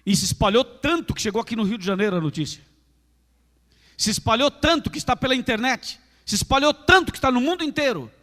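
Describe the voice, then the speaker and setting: A man's voice: very high voice, animated, fast, a bit bright. A Brazilian man preaching a sermon as pastor, emphatic and repetitive, speaking straight to his congregation in a large church. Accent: Brazilian Portuguese. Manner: emphatic, repetitive preaching, addresses listeners directly. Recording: echoey church hall.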